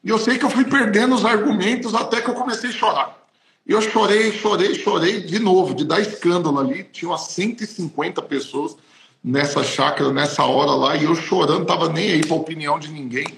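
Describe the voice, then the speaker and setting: A man's voice: sits high, fairly quick, creaky, a bit bright. A man, a pastor, telling a personal testimony in an emotional, emphatic way. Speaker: pastor and podcast host. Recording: roomy echo.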